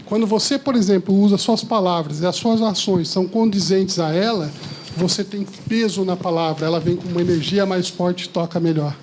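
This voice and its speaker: A man giving a lively seminar talk to a live audience, often asking the listeners questions. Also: high voice, a little fast, slight background noise. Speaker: speaker at a seminar. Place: lecture hall with audience.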